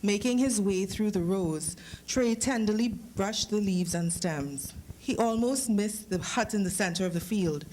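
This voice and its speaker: A woman's voice: medium pitch, a little slow, darkish tone. Trinidadian woman author, noisy live recording. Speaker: author reading from own short story. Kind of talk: literary reading with informal introduction to a live audience. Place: live lecture event before an audience. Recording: live talk with clear background noise.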